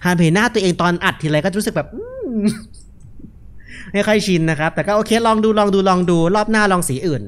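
A young man gives casual, joking horror game commentary, relaxed and unafraid, speaking into a headset mic. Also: high voice, fast talker, smooth. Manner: laid-back, joking, unafraid. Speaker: gaming video host.

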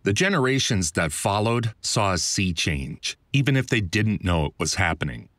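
A man's voice: on the low side, sing-song, moderate pace, a bit bright, no echo, studio quality. A middle-aged American man reading his own audiobook in a wry, conversational, emphatic manner. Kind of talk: scripted first-person audiobook narration. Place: close, dry studio recording.

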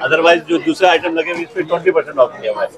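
An older man explains his offers at an expo stall, keeping his answers short and plain. His voice sits somewhat high, and a loud crowd surrounds him. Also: fast. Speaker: stall owner.

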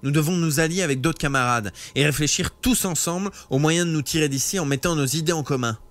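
A man's voice: on the high side, quick pace, a bit bright, voice pushed up, lightly acted. A man voicing a level-headed teenage boy who speaks in an earnest, reasoning way. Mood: calm persuasive.

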